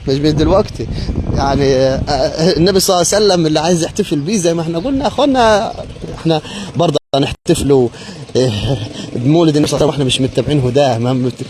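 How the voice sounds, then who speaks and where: A man's voice: fairly high pitch, background noise. A man vlogging on a street, blessing passersby and adding preachy asides. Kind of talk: casual street vlog with religious musings.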